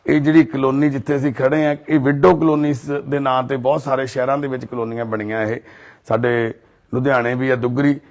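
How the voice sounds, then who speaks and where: A man's voice: medium pitch, little pitch movement, fairly quick, a little mellow. Brief: Punjabi man, charity volunteer host, earnest documentary narration, mid-range voice. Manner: earnest, soothing, speaks of divine duty. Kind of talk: documentary narration and consoling talk. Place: outdoors in a residential colony.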